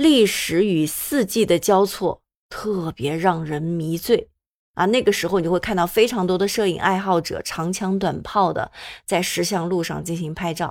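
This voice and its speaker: A woman talks at a fairly slow pace in a plain, everyday voice, with medium pitch and ordinary pitch variation. The recording is very clean with a silent background. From Nanjing, China. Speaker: podcast host, travel recommender. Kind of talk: solo monologue, travel recommendations.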